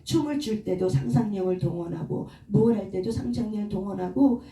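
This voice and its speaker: A woman's voice: mid-range voice, a little fast, warm tone, soft background music. A woman leading a prayer meeting, preaching and asking the congregation questions. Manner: asks the congregation questions, leads call-and-response. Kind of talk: sermon. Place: church prayer room. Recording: echoey room, far from the mic.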